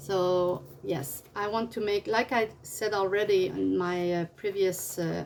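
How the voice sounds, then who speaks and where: Speaking at a fairly slow pace with hardly any pauses, a woman uses a medium pitch and ordinary pitch variation, with a French accent. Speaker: craft vlogger. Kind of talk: show-and-tell craft vlog. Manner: halting, many fillers.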